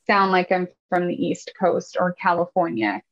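A woman's voice: fairly low pitch, flat delivery, moderate pace, highs cut off. A woman from Washington State with a Seattle-area accent, an English teacher chatting casually as a podcast guest and laughing easily. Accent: Seattle-area American English. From Washington State, USA.

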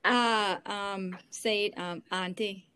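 A woman's voice: mid-range voice, steady tone, slow pace, bright, forceful tone, smooth, no echo. Hesitant woman guest, dry close sound. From Belize. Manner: hesitant, many fillers. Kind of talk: casual chat.

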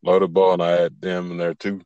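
A man co-hosting a casual podcast who chips in with brief, low-key remarks. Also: completely flat delivery, normal speed, warm tone. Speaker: podcast co-host. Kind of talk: casual chat. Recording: dull dry lo-fi sound.

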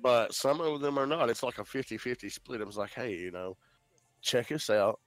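A man's voice: mid-range voice, expressive, moderate pace, dry recording, faint music behind. A man in his thirties with a stuffy head cold, chatting casually and swearing easily on a voice call. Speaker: podcast host. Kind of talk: casual chat.

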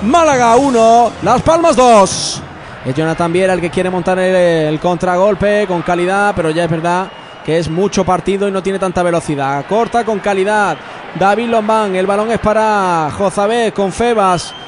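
Male football radio commentator, Spain accent, very high-pitched, impassioned play-by-play, clearly noisy outdoor recording. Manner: passionate, shouting, drawn-out exclamations.

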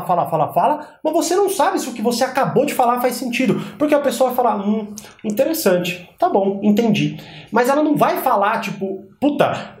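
A Brazilian man talking casually and with animation, giving advice to his viewers and asking himself rhetorical questions. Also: a little high. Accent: Brazilian Portuguese. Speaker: channel host, persuasion coach. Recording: echoey room.

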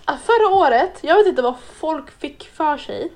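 A woman's voice: sits high, lively intonation, a little mellow. A young woman from Sweden in casual chat, giggly and mocking people in quoted voices, mixing in English slang.

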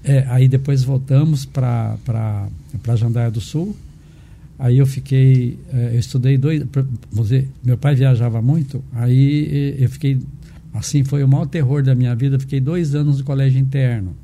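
An older man with a Brazilian accent, a physician being interviewed, talking casually and haltingly, often adding tag questions. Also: medium pitch, fairly even intonation, creaky, mellow. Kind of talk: casual conversational storytelling.

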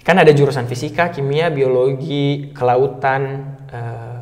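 A young man in his twenties from North Sumatra, a native Batak speaker, chatting casually as an interview guest in a lively way and dropping in English words. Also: mid-range voice. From North Sumatra, Indonesia. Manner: lively, fast talker mixing in English words. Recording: reverberant room.

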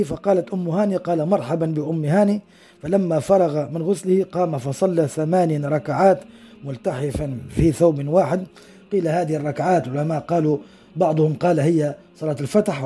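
Male sheikh, podcast sermon; quick delivery, slightly raised pitch, storytelling with asides. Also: dark tone, breathy edge. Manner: narrates hadith stories with explanatory asides, acts out quoted dialogue. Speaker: sheikh giving a religious lesson. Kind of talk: podcast religious lesson, storytelling.

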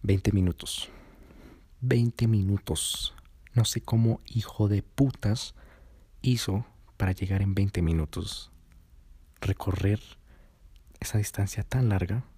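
A man casually telling an anecdote, swearing freely and lively in his retelling. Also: lowish voice, unhurried, pauses often, breathy edge, no echo. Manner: profane, animated retelling. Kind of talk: casual storytelling.

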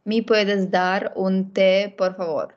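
A woman's voice: medium pitch, fairly even intonation, slow pace, dull audio. A woman with a Russian accent, a native Russian speaker, hesitantly repeating phrases as a student in a casual language lesson.

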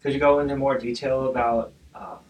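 A man's voice: mid-range voice, little pitch movement, fairly quick, poor audio. A man hosting a podcast interview, asking questions in a friendly way with hesitant uhs. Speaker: podcast host.

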